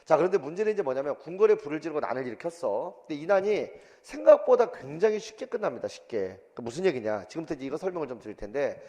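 A man teaching an exam-prep history lecture in a lively, colloquial way, full of asides and rough everyday speech. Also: on the high side, fast talker, few pauses, in a large hall. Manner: lively, colloquial, acts out quotes with swearing.

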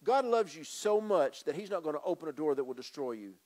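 A man's voice: fairly high pitch, very animated, fairly quick, darkish tone. A middle-aged man preaching a sermon on a church stage into a handheld mic, emphatic and repeating phrases as he addresses the congregation. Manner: moves about the stage and gestures. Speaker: pastor. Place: church stage with drum kit.

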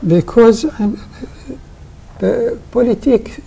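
An older man speaks very slowly in broken English, stopping often to find words. His voice is gravelly, dark and husky. He is miked on a lapel in a studio. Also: extremely high pitch, poor audio. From Iraq. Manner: halting non-native English with frequent pauses. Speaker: guest artist. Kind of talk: interview answers. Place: television studio.

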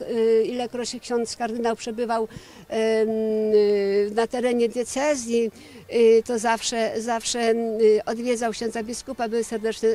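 Middle-aged nun, halting outdoor interview. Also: female voice, a little high, a little mellow. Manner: halting, many fillers and restarts. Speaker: nun, book organizer. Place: outdoors by a church building. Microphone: handheld reporter mic.

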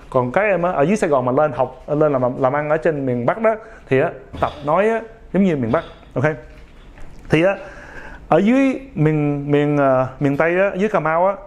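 In a relaxed motivational talk aimed at young viewers, a man speaks haltingly, with lots of fillers, an imperfect accent, and a recurring "ok?". His voice is a little high.

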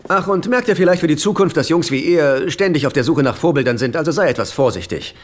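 A man's voice: fairly high pitch, lively intonation, fast talker. An actor dubbing a fussy, self-important middle-aged man in a German sitcom, pompous and theatrical with hesitations. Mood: cautioning. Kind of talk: German-dubbed sitcom acting.

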